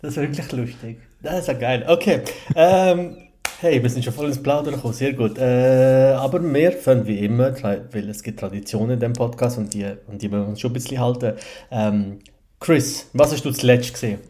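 A man's voice: mid-range voice, brisk, warm tone. A man with a Swiss German accent hosting a podcast, chatting casually and colloquially in a joking way. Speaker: podcast host. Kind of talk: casual film chat.

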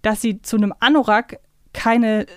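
A woman's voice: on the high side, steady tone, normal speed, clear, resonant tone, no room sound, clean studio sound. A woman talking casually and analytically as a podcast co-host, explaining in loose, chained sentences. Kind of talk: casual conversational fan podcast talk.

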